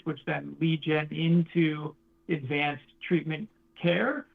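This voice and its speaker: A man's voice: a little high, vocal fry, slightly rough, narrow, tinny audio. A man speaking as a company executive answering questions on an earnings call, restarting often and using corporate jargon.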